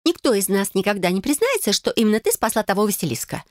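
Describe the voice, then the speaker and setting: A woman reader voicing a lively, scheming young cousin who is excitable and bossy in an audiobook. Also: medium pitch, dry recording, clean studio sound, pitched above the performer's own voice, natural voice. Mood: earnest. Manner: excitable, bossy, quick to scold. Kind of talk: audiobook character voice.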